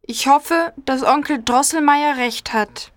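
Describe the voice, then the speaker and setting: A high, earnest little girl's voice, as a male storyteller puts her on, soft and pleading, lifting and falling widely as she speaks. The words come slowly. Dry, close sound. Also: big pitch swings, dry recording, heavily acted. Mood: tender. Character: little girl, earnest and tender-hearted.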